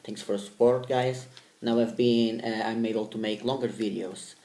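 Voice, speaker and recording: A man's voice: on the low side, fairly even intonation, moderate pace, warm tone. A man whose first language is Portuguese, talking casually to camera in English, hesitant and repeating himself. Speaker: vlogger. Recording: echoey room.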